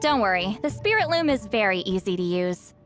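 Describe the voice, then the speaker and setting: A woman's voice: medium pitch, very animated, a little fast, close to an everyday voice. A woman voicing a confident, shrewd tribal elder and clairvoyant in a video game, instructive and wryly stern. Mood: wry, brisk. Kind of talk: animated video game voice acting. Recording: music playing behind the voice.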